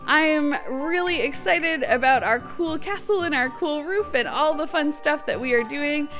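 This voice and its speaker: A woman with a notably high voice gives casual gameplay commentary. She is chatty and giggly, thinking out loud as she goes. Light music plays behind her. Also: normal speed. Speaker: gaming video host.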